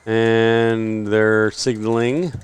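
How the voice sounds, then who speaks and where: A man's voice: lowish voice, level tone, drawn-out words, clean tone. A man doing casual play-by-play commentary on a local football game, chatty and joking between plays. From Canada.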